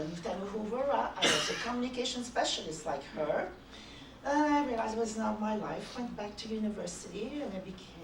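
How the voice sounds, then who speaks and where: A woman's voice: medium pitch, background noise. A middle-aged woman from Canada gives a conference talk, telling stories in a chatty way. She is heard from some distance in an echoey hall. Audible room ambience sits behind her. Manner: chatty, anecdotal, laughs often. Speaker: conference speaker.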